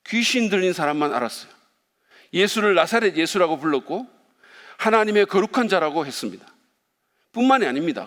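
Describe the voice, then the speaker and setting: A man's voice: high-pitched, fairly bright tone. A male pastor preaching a sermon, playful and speaking directly to the congregation. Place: church sanctuary. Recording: long reverb of a church hall.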